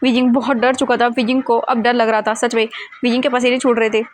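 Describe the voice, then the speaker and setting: A woman's voice: a little high, level tone, fast, a little hiss or hum. A woman casually retelling a fan fiction story in a chatty way. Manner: chatty, retells scenes with many quotes.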